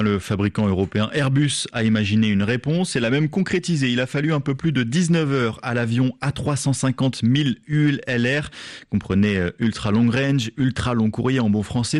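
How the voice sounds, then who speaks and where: A man presenting a radio news bulletin, reading measured headlines with the odd hesitation. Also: mid-range voice, a little mellow, no room sound, clean studio sound. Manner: measured newsreading with occasional fillers. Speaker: news anchor.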